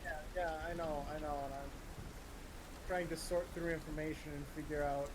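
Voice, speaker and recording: A man's voice: fairly high pitch, fairly even intonation, normal speed, noisy background. A man playing a tabletop game, thinking aloud and questioning the characters with some hesitation. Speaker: player. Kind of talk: casual tabletop game talk.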